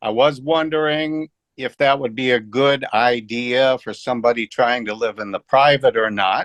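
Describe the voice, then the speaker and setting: A plain, everyday voice from a man at medium pitch, fairly even in intonation and moderate in pace, with a dry, close sound, no echo, and a quiet background. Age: 60s. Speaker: pastor. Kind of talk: question in group call.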